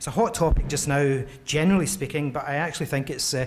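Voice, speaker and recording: A man speaks with a strong Glasgow accent, his voice somewhat breathy, and audible room echo can be heard. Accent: strong Glaswegian Scottish. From Scotland, Glasgow. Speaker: academic researcher, sociologist. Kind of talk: panel talk at academic forum. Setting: stage with audience. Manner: hesitant, many fillers and repeats.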